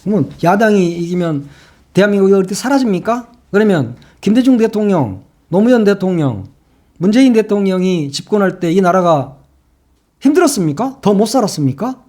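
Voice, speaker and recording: A man's voice: high-pitched, very animated, brisk, darkish tone. A man giving solo political commentary, opinionated and emphatic, often asking rhetorical questions.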